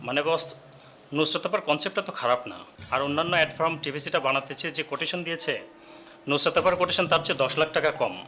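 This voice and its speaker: A man's voice: on the high side, very fast, bright, forceful tone, slight background noise. An actor playing a nervous creative head who hesitantly argues with his boss. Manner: hesitant, placating.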